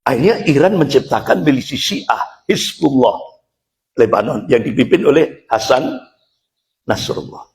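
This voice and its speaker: A middle-aged man from Indonesia, a Muslim preacher giving an emphatic, animated religious lecture to a congregation and addressing them directly. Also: medium pitch, a little slow. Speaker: Islamic preacher.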